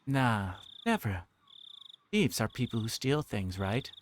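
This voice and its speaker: A man's voice: medium pitch, sing-song, slow pace. Man acting an easygoing, drawling game character. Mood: sheepish, evasive. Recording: clearly noisy background with clicks.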